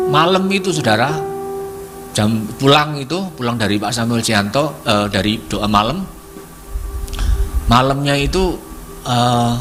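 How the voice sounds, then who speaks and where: A middle-aged man giving a testimony at a church prayer service, halting and repeating himself as he searches for words. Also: mid-range voice, a bit bright. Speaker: congregation member giving testimony. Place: church hall. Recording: church service with music playing behind.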